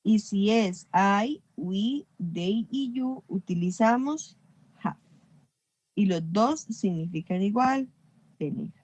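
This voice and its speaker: A woman's voice: mid-range voice, animated, slow pace, a little mellow, dry recording. A woman teaching an English grammar class online, explaining patiently and often checking understanding.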